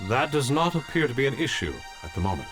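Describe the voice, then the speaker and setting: An actor playing a serious, principled robot ninja in a cartoon, precise and formal. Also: male voice, mid-range voice, very animated, fast talker, over music, natural voice. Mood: calm.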